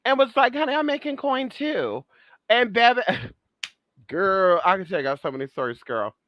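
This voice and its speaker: A woman's voice: medium pitch, sing-song, normal speed, no echo, dull audio. A trans woman vlogging in a sassy, profane monologue, calling listeners girl, honey and baby and repeating phrases for emphasis. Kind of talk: casual monologue rant.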